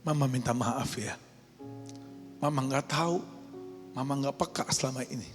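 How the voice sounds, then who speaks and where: A man's voice: medium pitch, normal speed, lightly acted. A man voicing his aging mother as she earnestly asks forgiveness, in a reverberant hall with music. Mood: tender. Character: aging stern mother, softened and tearful.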